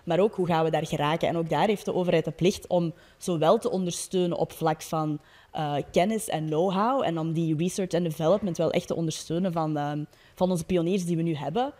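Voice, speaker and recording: Young Flemish woman as youth politician on a panel; mellow tone, explanatory, pausing to think. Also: fairly low pitch. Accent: Flemish Belgian Dutch. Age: young adult. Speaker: political youth-wing leader, debate panelist. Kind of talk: debate statement, semi-formal.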